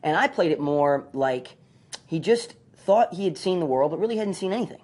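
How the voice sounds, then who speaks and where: A man, a former sitcom actor, telling stories in an interview, animated and full of fillers. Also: fairly high pitch. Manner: fast, animated storytelling with many fillers. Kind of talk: retrospective interview.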